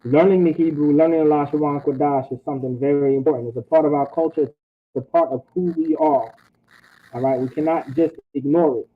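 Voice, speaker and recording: A man's voice: fairly high pitch, fairly even intonation, fairly quick, husky. A man teaching an online language class, repeating phrases and checking in with "all right?". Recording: tinny phone-like audio.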